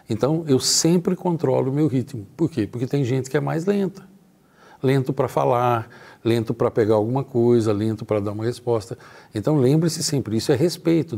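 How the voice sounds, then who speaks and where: Emphatic middle-aged man, husky and warm. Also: on the high side. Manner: emphatic, talks straight to the viewer; acts out short dialogues in his talk. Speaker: trainer. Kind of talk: motivational workplace lesson.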